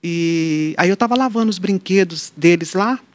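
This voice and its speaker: A woman's voice: lowish voice, moderate pace. A middle-aged woman, a guest on an interview show, telling a personal faith story and acting out the voices of the people in it. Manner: lively storyteller who acts out quoted dialogue. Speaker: interview guest, mother of an atypical child. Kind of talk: personal faith testimony in conversation.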